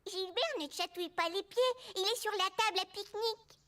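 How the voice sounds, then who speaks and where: An actor voicing a curious, gentle four-year-old boy in a children's cartoon, patiently explaining things to a younger child. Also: very high voice, a little fast, very noisy. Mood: reassuring.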